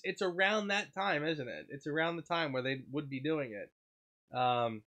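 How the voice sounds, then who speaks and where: A livestream host with a fairly high, fairly bright voice chats casually while stuffed up, sniffling and clearing his throat often. He rambles as he reads viewer chat and answers it.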